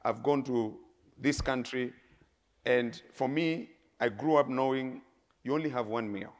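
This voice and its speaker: A middle-aged man with a Kenyan accent, preaching a sermon with lively stories, laughing and swinging between soft and loud. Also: medium pitch, unhurried. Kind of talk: sermon with storytelling.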